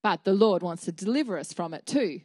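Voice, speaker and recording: A woman's voice: mid-range voice, lively intonation, brisk, darkish tone, slightly rough, no room sound, clean studio sound. Earnest woman preaching on stage. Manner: earnest, candid, with fillers and restarts. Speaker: church speaker. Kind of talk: conversational sermon. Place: dim church stage with a small seated audience. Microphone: handheld mic.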